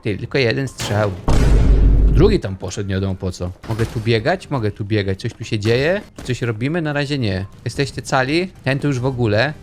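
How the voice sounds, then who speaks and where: A man's voice: mid-range voice, expressive, moderate pace, noisy background. A young man giving playful, jokey commentary while playing a video game and chatting with its characters. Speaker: gaming YouTuber. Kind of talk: let's play commentary.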